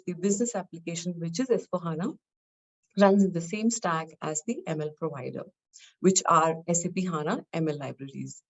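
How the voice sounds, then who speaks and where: A woman giving a scripted technical product presentation, explaining in measured, short phrases. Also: fairly low pitch, darkish tone, low-quality recording.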